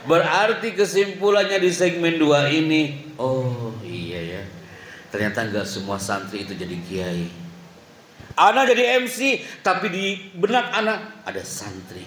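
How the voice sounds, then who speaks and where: Animated man telling stories to students. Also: medium pitch, normal speed, background noise. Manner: animated storyteller, acts out quotes, swings loud and soft. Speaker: motivational speaker at a boarding school. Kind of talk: lively motivational talk to students. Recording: echoey hall with faint ambience.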